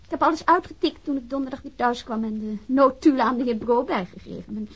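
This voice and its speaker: Radio crime drama: call girl passing as secretary, high-pitched, sharp-tongued and defiant. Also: quick pace, husky, highs cut off. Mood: guarded, polite. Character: defiant foul-mouthed call girl posing as a prim secretary.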